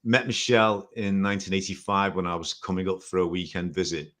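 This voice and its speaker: A man's voice: sits low, flat delivery, fairly quick, a bit bright. A man in his sixties from Liverpool with a Liverpool accent, telling his story as an interview guest in a chatty, rambling way with small self-corrections and jokes. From Liverpool, England. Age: 60s.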